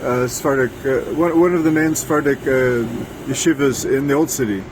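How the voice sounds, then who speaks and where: A man interviewing casually in a halting, rambling, digressive way. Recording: noisy, air conditioning and traffic rumble.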